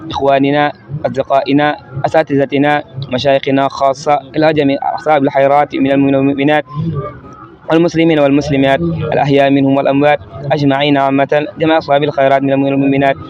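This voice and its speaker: A man leading an Islamic supplication, reciting formulaic parallel phrases in a rhythmic litany. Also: medium pitch. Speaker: prayer leader. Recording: dull lo-fi recording.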